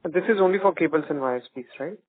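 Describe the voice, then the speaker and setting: A man, a financial analyst asking questions on an earnings call in a hesitant, halting way. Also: a little high, slightly rough. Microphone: phone call. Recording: tinny phone line.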